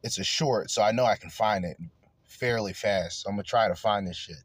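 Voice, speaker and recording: A man's voice: fairly low pitch, fairly quick, no room sound. A man hosting a podcast, ranting crudely and angrily in heated commentary. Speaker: podcast host.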